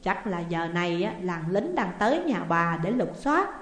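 A woman's voice: on the low side, sing-song, normal speed. A woman voicing a talkative village field worker who passes on gossip, in a roomy recording with long reverb. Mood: gossipy. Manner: chatty, gossiping.

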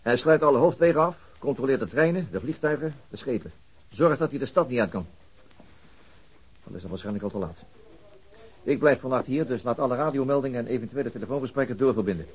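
An actor playing a brisk, sober senior police inspector giving orders in a Dutch radio crime drama. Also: male voice, mid-range voice, expressive, slightly rough. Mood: brisk, decisive. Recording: dull, muffled radio drama recording.

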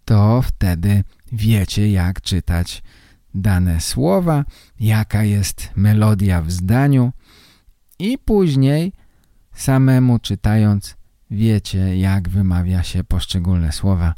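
Slow, mellow man teaching. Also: fairly low pitch, lively intonation, no echo, studio quality. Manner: deliberate, simple phrasing with repeated key points. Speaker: language teacher and podcast host. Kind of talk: instructional talk to learners.

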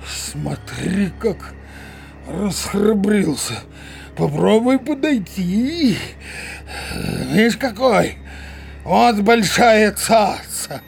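A grumbling older village man for a radio play. He talks slowly with a creaky edge, hemming and muttering to himself. He sounds muddled and cowardly, yet full of bluster, over faint background noise. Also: high-pitched, animated, exaggerated voice. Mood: indignant blustering. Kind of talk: theatrical audio drama acting.

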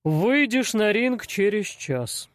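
A woman voicing a cold, menacing male loan shark boss in an audiobook, speaking slowly and mockingly. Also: mid-range voice, big pitch swings, no echo, studio quality. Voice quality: slow, drawling, mocking. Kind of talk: audiobook character voice.

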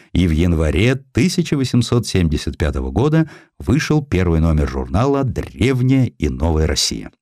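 A man's voice: deep voice, a little mellow, dry recording, clean studio sound. A man reading a historical sketch as scripted narration, as an audiobook narrator.

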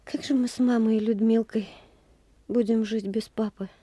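A high, mellow child's voice plays a commander's young daughter, earnest and brave. The acting is that of a Soviet radio play, recorded very dry. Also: female voice, steady tone, normal speed, husky, dry recording. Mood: anxious, tender.

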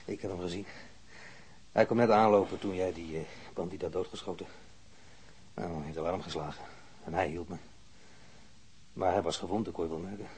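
A man's voice: sits low, fairly even intonation, darkish tone, husky, heavily acted. An actor playing a wounded, subdued patrol policeman who speaks hesitantly in a radio drama. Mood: grieving. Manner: hesitant, halting recollection.

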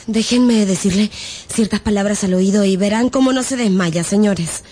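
A woman's voice: medium pitch, normal speed, dark tone, husky, close to an everyday voice. A woman playing a poised young gypsy dancing girl in a radio drama, speaking in formal, theatrical old-fashioned phrases. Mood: teasing, composed. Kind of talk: radio drama acting of a classic tale.

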